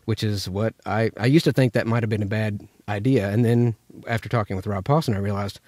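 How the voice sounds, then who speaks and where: Lowish-voiced American man, dry sound. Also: steady tone, fairly quick, a little mellow, no room sound. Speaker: voice actor teaching impressions. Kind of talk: casual tutorial chat.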